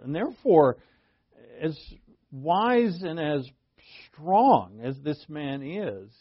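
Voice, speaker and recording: A man teaching a Bible study in a relaxed, conversational way, with asides, fillers and verse readings. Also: mid-range voice, no echo, lo-fi sound.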